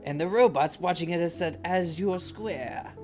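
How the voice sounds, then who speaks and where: A man's voice: high-pitched, moderate pace, a little mellow, pitched above the performer's own voice, lightly acted. A man voicing a playful young heroine who slips into a mock witch voice, teasing and theatrical. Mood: curious. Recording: muffled, game music behind.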